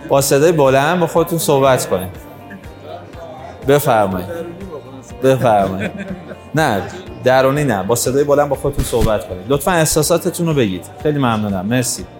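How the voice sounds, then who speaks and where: A man's voice: medium pitch, expressive, long pauses, long reverb tail, music in the background. A man leading a live workshop, talking directly to the audience and urging them on. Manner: direct, coaxing, urges the audience on. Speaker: workshop trainer. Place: hall with an audience.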